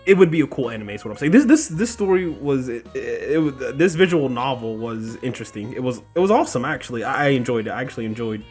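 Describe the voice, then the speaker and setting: A man gives informal commentary as a gaming video host. His voice sits at a middle pitch, his wording is slangy and repetitive, and game music plays behind him. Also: animated, quick pace, few pauses, a little mellow. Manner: slangy, informal, repeats himself. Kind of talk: casual playthrough commentary.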